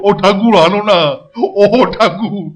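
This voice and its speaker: A man voicing an excitable, greedy middle-aged hostel superintendent in a Bengali cartoon, babbling and repeating words, with a West Bengal accent. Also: high voice, unhurried. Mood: greedy delight. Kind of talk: exaggerated Bengali cartoon voice acting.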